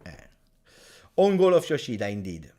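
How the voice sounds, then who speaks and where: Excitable man reacting live. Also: medium pitch, normal speed. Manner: chatty and partisan, bursting into excited shouts at chances. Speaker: fan channel match reaction host. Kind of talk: live match reaction commentary.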